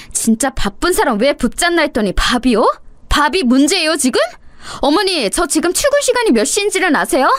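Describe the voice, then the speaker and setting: Woman reading young wife, exasperated, indignant, sharp retorts, fairly high voice, dry sound. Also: no room sound, close to an everyday voice. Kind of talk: dramatized story reading.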